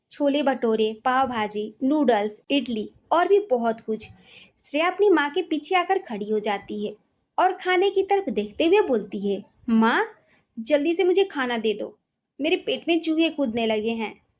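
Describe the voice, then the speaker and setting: Expressive woman storyteller. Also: high voice. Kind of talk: scripted story narration.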